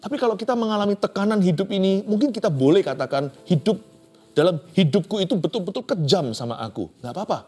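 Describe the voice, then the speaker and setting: Impassioned male preacher over soft music. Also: high voice. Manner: dramatic, swings from loud cries to near whispers; mixes English phrases into his preaching. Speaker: pastor. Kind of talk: sermon.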